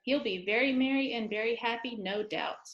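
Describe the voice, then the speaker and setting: A woman playing a proud, sharp-tongued wife and mother in a dramatic storybook reading. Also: fairly high pitch, normal speed, muffled recording, natural voice. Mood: grudging. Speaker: amateur reader, library staff. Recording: echoey room.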